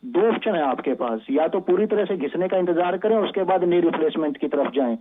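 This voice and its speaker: High-pitched male doctor, thin phone-like sound. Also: expressive, a little fast. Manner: patient, instructive, mixes English medical terms into speech. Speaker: doctor, physiotherapy expert guest. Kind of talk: explanatory medical advice on a live call-in show. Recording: thin phone-like band-limited line.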